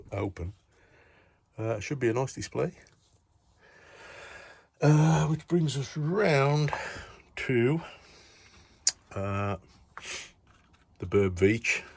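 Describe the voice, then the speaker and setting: He's a hobbyist vlogger from the Black Country, England, touring a warm grow tent in a shed in a casual, wandering, matey way with plenty of chat. His Black Country English accent comes through a fairly low, slightly mellow voice with a breathy edge.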